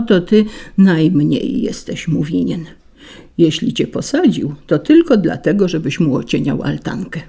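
A mocking, freedom-loving breeze of a storybook fable, put on by a woman reading aloud, teasing and scornful. The voice is low, husky and gravelly, with a dark tone. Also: full character voice.

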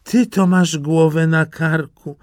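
Man doing old farm wife, doting, gushing, high lilting voice, dry close sound. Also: steady tone, slow pace, darkish tone, no room sound. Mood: gushing delight. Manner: gushing, delighted.

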